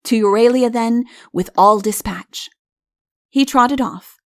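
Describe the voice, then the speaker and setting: A woman's voice: on the high side, slow, dry recording, clean studio sound. A woman reading a comic fairy tale as an audiobook narrator, in scripted storytelling style.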